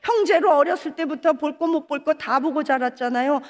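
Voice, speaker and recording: A woman preacher delivering an animated revival sermon, acting out the voices of people she quotes. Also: sits high, a little fast. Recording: reverberant hall.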